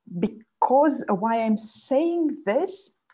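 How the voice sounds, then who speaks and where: Very slowly, a woman with a Russian accent speaks in a dark, mellow, somewhat breathy tone and lively intonation. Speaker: social scientist panelist. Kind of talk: webinar panel discussion. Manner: halting, many fillers.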